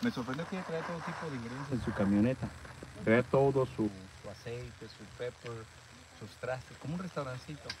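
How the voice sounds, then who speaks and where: A man's voice: medium pitch, fairly quick, crowd noise. A middle-aged man with a Mexican accent hosting a casual live cooking stream, chatting to viewers in informal slang from an outdoor campsite, recorded on a phone. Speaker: host of a camping cooking vlog. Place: outdoor desert campsite under a canopy. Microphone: phone camera held by another person. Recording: noisy outdoor phone video.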